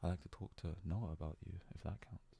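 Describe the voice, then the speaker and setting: A man playing a devoted, self-abasing young yandere fox-boy servant in an ASMR roleplay, worshipful and hesitant, often slipping into breathy whispers. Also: low-pitched, fairly quick, warm tone, heavily acted. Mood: eager devotion. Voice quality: husky, gravelly, breathy, often dropping to a whisper.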